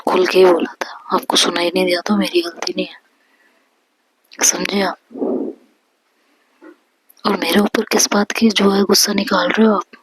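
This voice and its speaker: Whispered role-play: a defiant, sharp-tongued young woman hurls quick scolding retorts in a breathy, low hush, as a woman voices her. The voice stays airy and close throughout. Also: flat delivery, poor audio.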